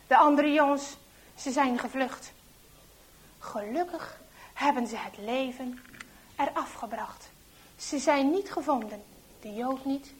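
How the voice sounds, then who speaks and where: A woman reading a Christian children's story aloud with slow, emphatic storytelling. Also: sits high, slight background noise, poor audio.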